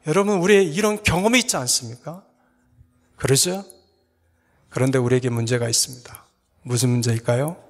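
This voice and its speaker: A male pastor preaching a sermon, earnestly putting rhetorical questions to his congregation and sometimes dropping to a soft whisper. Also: medium pitch, a little fast, long pauses. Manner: earnest, addresses listeners with repeated rhetorical questions. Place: church sanctuary. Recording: long reverb of a church hall.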